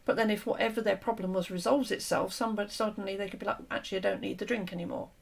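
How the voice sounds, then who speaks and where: Gravelly-voiced woman hosting a discussion. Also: mid-range voice, fairly even intonation, racing. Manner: earnest, explanatory, with frequent fillers and restarts. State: losing her voice. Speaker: host. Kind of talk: conversational discussion.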